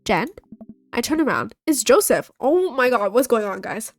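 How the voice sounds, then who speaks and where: A woman's voice: a little high, big pitch swings, normal speed. A young woman with a stuffy nose from a cold, playfully reading a dating game aloud and voicing all of its characters as she plays. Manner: playful, reads characters in her own voice. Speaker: gaming video host. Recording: faint game music behind.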